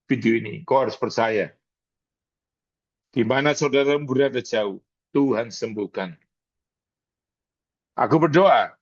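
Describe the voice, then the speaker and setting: A male pastor from East Java preaching and praying with slow, dramatic emphasis, mixing in English words, heard over a video call. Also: medium pitch, no room sound. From East Java, Indonesia. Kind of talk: emotional sermon and prayer. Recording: dry, dull video-call audio.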